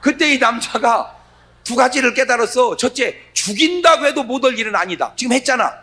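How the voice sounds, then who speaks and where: A middle-aged male pastor giving a humorous revival sermon, telling stories with lively acted-out voices and a husky tone. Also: extremely high pitch, brisk. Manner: animated storytelling, acts out quoted voices with dialect.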